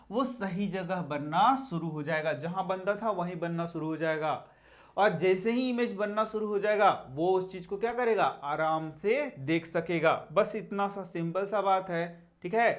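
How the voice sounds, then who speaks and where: A man teaching a science lesson, asking questions and answering them himself. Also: high voice. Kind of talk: Hindi classroom lesson.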